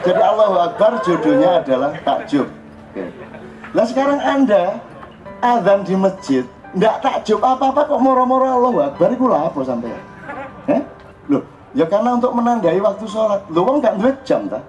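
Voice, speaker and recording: An older man with a Javanese accent giving an informal religious talk, jokey and animated. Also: sits high, moderate pace. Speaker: religious speaker. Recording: dull lo-fi recording with faint music.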